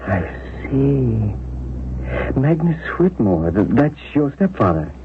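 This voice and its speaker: An actor playing a courteous, earnest small-town jeweler with halting, measured delivery in a 1970s radio drama. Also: male voice, medium pitch, big pitch swings. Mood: shaken, halting. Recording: muffled vintage radio recording, faint noise.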